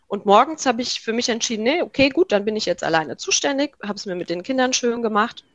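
A woman's fairly high voice, very fast, with very wide pitch swings and hardly any pauses. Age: 30s. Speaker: mother, program participant. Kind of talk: interview.

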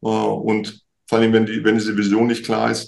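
A man talks in a fairly low pitch. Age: 50s. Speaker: roofing company owner. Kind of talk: interview.

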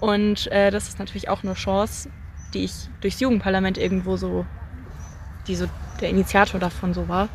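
A woman speaks at a moderate pace against noticeable background noise. She leaves long, frequent pauses. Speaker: youth parliament member. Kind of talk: casual group interview.

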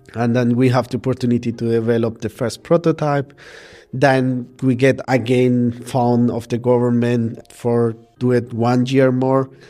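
A man's dark, mellow voice at medium pitch, with a Spanish accent, a fairly slow pace and monotone, flat intonation. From Colombia. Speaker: startup founder, engineer. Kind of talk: interview.

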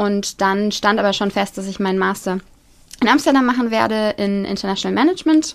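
An ordinary speaking voice from a woman, medium in pitch with ordinary pitch variation, at a fairly quick pace. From Germany, Kassel (northern Hesse). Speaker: hotel managing director. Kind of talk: interview. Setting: radio studio.

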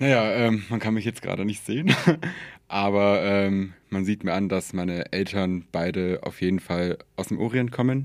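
At a moderate pace, a man with a fairly low pitch and ordinary pitch variation speaks in a normal speaking voice, captured in a very clean recording with a silent background. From Germany, Nuremberg. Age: 20s. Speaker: interview guest. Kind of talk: casual interview. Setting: radio studio.

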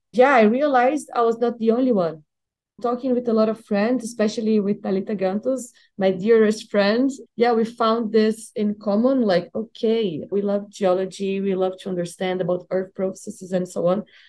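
With a Portuguese accent, a woman speaks in a dark, mellow tone. Her pitch variation is ordinary. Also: fairly high pitch for a woman, moderate pace. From Brazil. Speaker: geologist. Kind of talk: interview. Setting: remote recording.

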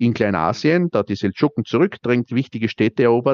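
A man with an Austrian accent, medium in pitch and fairly quick in pace. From Lower Austria. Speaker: historian. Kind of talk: interview.

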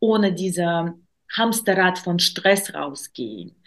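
A woman with a Russian accent speaks at a very slow pace with a fairly low pitch. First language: Russian (speaking German). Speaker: social media coach and entrepreneur. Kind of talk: podcast interview. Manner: halting, many fillers.

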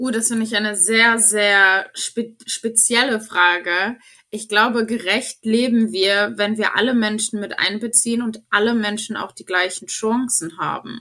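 A woman speaks at a fairly high pitch with a bright, sharp tone. Her intonation stays fairly even. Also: fairly slow pace, hardly any pauses. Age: 20s. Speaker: diversity management worker and student. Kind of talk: interview.

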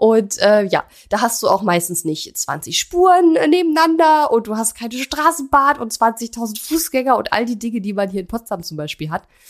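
A woman with a fairly high pitch uses very wide pitch swings at a moderate pace. She leaves hardly any pauses. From Prignitz, Brandenburg, northeastern Germany. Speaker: podcast host, online course entrepreneur. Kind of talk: solo podcast monologue. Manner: casual, with frequent fillers.

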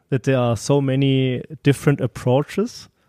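A man's dark, mellow voice with a Swabian accent, in a very clean recording over a silent background, dry and close with no echo. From Stuttgart, Swabia, Germany. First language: German. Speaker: podcast host. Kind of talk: interview. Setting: office.

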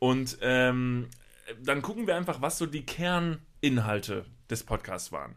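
This man has a medium pitch with ordinary pitch variation. He talks at a very slow pace. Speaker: podcast co-host. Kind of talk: casual chat. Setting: studio.

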